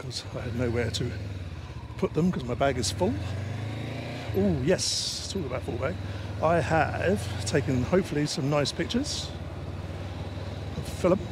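Very wide pitch swings mark a man's speech at a moderate pace, with long, frequent pauses. The sound is dry with no echo, though noticeable background noise is present. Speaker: motorcycle vlogger. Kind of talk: casual vlog chat. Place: motorbike.

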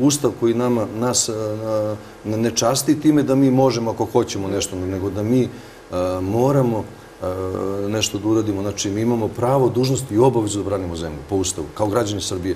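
There is light background noise as a man talks at a fairly quick pace. His pitch variation is ordinary. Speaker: guest. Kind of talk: interview answer. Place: studio.

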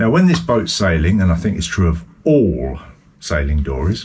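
A man's somewhat breathy voice. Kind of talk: casual vlog chat. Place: boat. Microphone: phone near.

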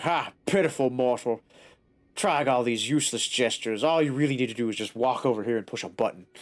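A man's put-on character voice at medium pitch and a fairly quick pace, on a very clean recording with a silent background. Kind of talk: comic mock-villain voice. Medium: game stream. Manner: scornful, gloating.

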